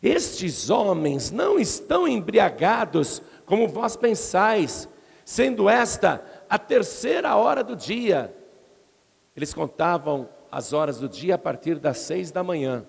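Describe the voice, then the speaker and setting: High gravelly Brazilian preacher in a reverberant hall. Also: male voice. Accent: Brazilian Portuguese. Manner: dramatic storytelling, acting out crowd voices with rising pitch. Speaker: pastor. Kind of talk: expository sermon. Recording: long reverb of a large hall.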